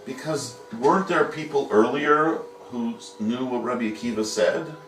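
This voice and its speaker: A man's voice: medium pitch, moderate pace, faint music behind. A man teaching a Talmud study lesson, patiently explaining step by step and posing rhetorical questions. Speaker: yeshiva teacher. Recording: echoey room, mic at a distance.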